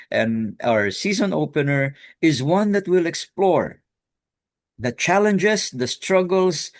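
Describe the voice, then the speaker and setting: A man hosts an interview in an unhurried way. He pauses often and ends his questions with a tag. The sound is very dry and close. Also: a little high, no room sound. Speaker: talk show host. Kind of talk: hosting an interview.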